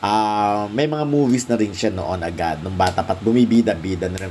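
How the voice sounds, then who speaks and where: Lively intonation carries a man's moderate-paced speech through noticeable background noise. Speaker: showbiz reporter and vlogger. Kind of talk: casual vlog commentary. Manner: halting, many fillers.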